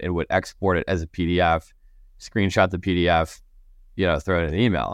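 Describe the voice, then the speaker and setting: A man talks at a very fast pace with fairly even intonation. The sound is dry and close with no echo, over a quiet background. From US Northeast (Connecticut). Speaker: tech founder and CEO. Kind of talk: casual interview.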